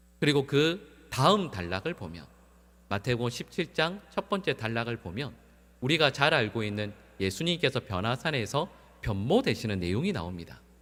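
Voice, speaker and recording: Speaking with a Gyeongsang accent, a man at medium pitch keeps a moderate pace while his pitch swings very widely. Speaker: pastor. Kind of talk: sermon.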